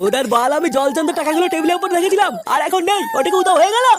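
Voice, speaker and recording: Shrill, blustering cartoon village dad. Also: male voice, rapid-fire, background noise. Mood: furious, threatening. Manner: blustering, excitable. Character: hot-tempered, foul-mouthed village father and husband. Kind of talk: comic cartoon dub.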